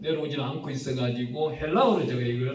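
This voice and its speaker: Noticeable background noise sits behind this man. He talks very fast in a Gyeongsang accent. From Gyeongsang, South Korea. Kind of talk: preaching.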